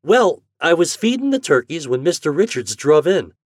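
A man's voice: a little high, sing-song, normal speed, a little mellow, no room sound, clean studio sound, voice pushed up. A man doing an eager country farm boy. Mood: eager, boastful. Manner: rustic old-time country dialect. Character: eager freckled farm boy, jolly and proud. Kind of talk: storybook character voice.

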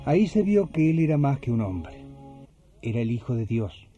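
A kind, devout young church volunteer played by a male actor in a radio play, with a Rioplatense accent. He speaks earnestly and measuredly in a very dark, warm voice, on a muffled recording with faint music. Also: mid-range voice, big pitch swings, normal speed, lightly acted. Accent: Rioplatense Spanish. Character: kind, faith-filled young parish volunteer helping pilgrims. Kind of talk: radio drama with scripture narration.

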